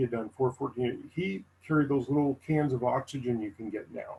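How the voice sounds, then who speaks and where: This man's voice is somewhat breathy, and he talks at a moderate pace. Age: 60s. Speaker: ham radio hiker, attendee. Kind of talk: casual group chat.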